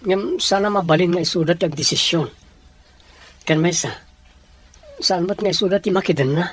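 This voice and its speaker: Someone acting a husky young Filipino man. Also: sits high, normal speed. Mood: frustrated. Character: young man, devoted grandson resentful of strict parents. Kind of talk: Ilocano audio drama acting.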